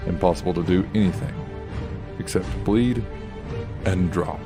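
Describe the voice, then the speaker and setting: Deep, grim vigilante. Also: male voice, normal speed. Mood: grave, tense. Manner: terse, controlled, grave. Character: grim, brooding masked male vigilante detective in his prime. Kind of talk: dramatic narration and dialogue in a comic audio drama. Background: background music.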